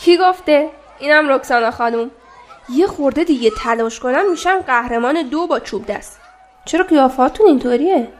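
Woman voicing a chirpy young woman, radio drama, high pitched, faint noise. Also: lightly acted.

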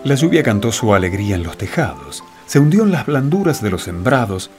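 A man reading poetic scripted narration in a solemn, dramatic, expressive way. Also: on the low side, brisk. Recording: loud music with rain and thunder. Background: loud music, rain, thunder.

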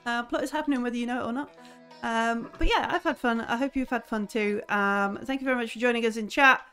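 A woman's voice: on the high side, fast talker, sharp tone, faint music behind. A woman hosting and running a tabletop game, wrapping up a stream in casual chat with plenty of ums. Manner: chatty, lots of ums. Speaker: game master and stream host.

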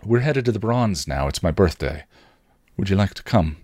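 A man voicing a gentle, timid young woman, earnest and soft-hearted, in a story reading. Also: deep voice, lively intonation, moderate pace, no echo, studio quality. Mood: timid, grateful.

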